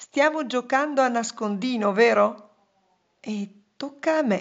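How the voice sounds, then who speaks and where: A woman speaks at a very slow pace in a playful tone. Her pitch varies in an ordinary way. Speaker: poet. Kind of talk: poetry reading, spoken word. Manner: intimate, playful, tender; rhythmic, building to a joyful climax.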